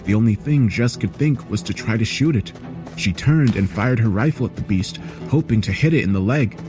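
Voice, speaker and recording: Guy with a lowish voice reading a creepypasta style horror story, measured and serious, faint music behind. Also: animated. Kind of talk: scripted horror story narration. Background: background music.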